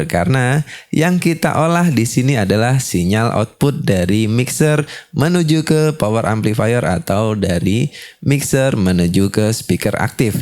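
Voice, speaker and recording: A man presents a step-by-step instructional demonstration, explaining as he goes and frequently adding short confirming tags. His voice is medium-pitched with a darkish tone.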